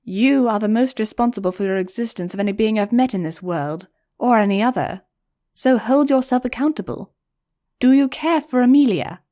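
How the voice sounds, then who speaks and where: Regal pony princess, calm and measured, read by a woman. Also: a little high, lightly acted. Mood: firm.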